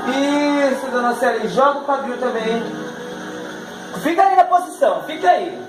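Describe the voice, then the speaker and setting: A man's voice: extremely high pitch, animated, normal speed, echoey room, over music, low-quality recording. A middle-aged Brazilian man leading a home exercise class, cueing moves and counting reps with an upbeat, laughing manner. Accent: Brazilian Portuguese. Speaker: fitness instructor. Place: living room at home.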